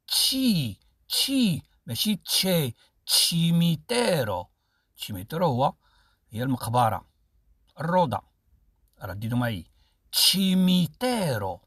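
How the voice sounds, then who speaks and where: A man with a Moroccan Arabic accent teaches Italian pronunciation, repeating each word slowly and stressing its sounds. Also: on the high side, fairly bright tone, slightly rough, no room sound, studio quality. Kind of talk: pronunciation lesson.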